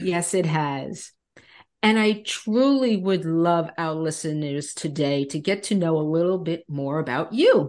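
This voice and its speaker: In a normal speaking voice with an American accent, a woman talks at a fairly slow pace with a fairly low pitch and ordinary pitch variation over a quiet background. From New York. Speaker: life and wellness coach, podcast host. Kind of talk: interview conversation.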